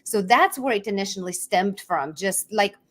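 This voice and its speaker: A woman's voice: mid-range voice, animated, moderate pace, a bit bright. A middle-aged woman from Lithuania with a Lithuanian accent, talking casually as an interview guest, chatty and often restarting her words. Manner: chatty, restarts words, laughs between phrases.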